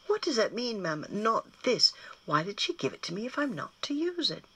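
A woman's voice: a little high, sing-song, normal speed, a bit bright, husky, no echo, pitched above the performer's own voice, exaggerated voice, poor audio. A woman reading aloud and voicing an earnest, curious young boy with eager questions.

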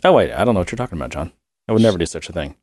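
A man's voice: low voice, expressive, rapid-fire, a little mellow, dry recording, clean studio sound. A man co-hosting a podcast in casual chat, rambling and laughing often while he has a cold and cough. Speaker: podcast co-host.

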